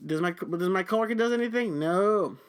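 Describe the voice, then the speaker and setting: A man's voice: high voice, a little fast, clear, resonant tone. A young man hosting a podcast, venting angrily about his job in a foul-mouthed rant. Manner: heavy swearing, angry venting. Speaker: podcast host. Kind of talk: profane ranting monologue.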